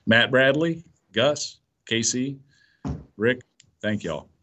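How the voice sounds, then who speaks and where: A man's voice: medium pitch, takes it slowly, sharp tone, a little hiss or hum. A man hosting a casual podcast, easygoing and prompting his co-hosts. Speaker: podcast host.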